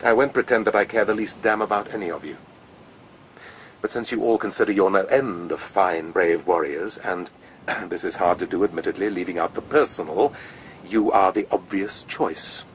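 A man acts out a haughty aristocratic army officer in a radio play. He is sly and spiteful, drawling with pompous, cool sardonic polish over a noticeable low rumble of background noise. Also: moderate pace, lightly acted. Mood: coolly menacing. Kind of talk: radio drama acting.

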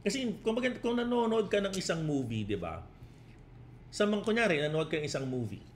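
A man's voice: high voice, big pitch swings, brisk, slight background noise. A man, a crypto trading coach on a casual live stream who mixes Tagalog and English, reads out chat comments and keeps tagging his points with 'no?' and 'di ba?'.

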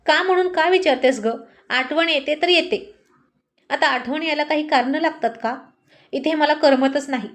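A woman's voice: fairly high pitch, darkish tone, natural voice. A woman voicing a touchy, sulky young pregnant wife in a storybook reading, with a pouting, plaintive way of talking.

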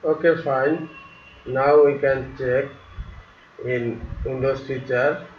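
A man narrating a step-by-step software tutorial in simple, halting, non-native English phrasing. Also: medium pitch, fairly even intonation. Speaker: tutorial host. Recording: roomy, distant, dull mic with faint hiss.

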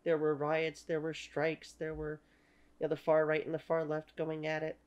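A woman's voice: low-pitched, completely flat delivery, normal speed, darkish tone, dull audio. A woman in her thirties with a Canadian accent and French as her first language, giving an opinionated talking-head history lecture at home with many "you know" fillers. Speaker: history channel host. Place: small room at home.

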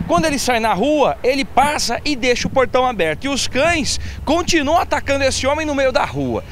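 A man with a high voice tells a crime story for TV news and dramatizes every turn. He talks straight to the viewer. He is recorded outdoors, with faint street noise behind him. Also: sing-song, fairly quick, fairly bright tone. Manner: dramatic, acts out quotes in raised voice.

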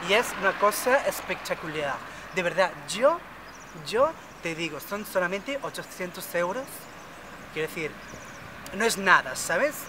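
A woman's voice: on the low side, expressive, unhurried, background noise. A woman playing a spoiled chatterbox. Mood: bubbly boastful. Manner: boastful nonstop chatter, fake foreign accent bits. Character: vain chatty rich young woman, spoiled daddy's girl. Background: background music.

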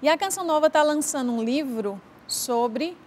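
A woman hosting a faith-based morning talk show, her voice sitting a little high. She guides the conversation and steps in to complete her guest's thoughts. A faint hiss runs under the studio sound. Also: expressive, normal speed, a little mellow. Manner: interviewing, prompting and finishing the guest's sentences.

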